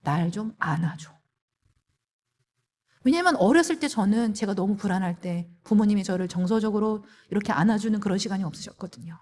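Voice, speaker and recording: A woman counselor giving a church marriage seminar talk and sharing a personal story in a lively, expressive way. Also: medium pitch. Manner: personal testimony, soft quoted asides to her husband. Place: church hall. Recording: reverberant hall.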